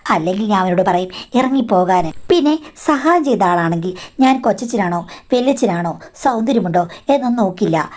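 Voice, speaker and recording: A woman's voice: medium pitch, animated, fairly quick, a little mellow, close to an everyday voice. A woman narrator voicing a blunt young daughter who talks in a casual, dismissive, matter-of-fact way.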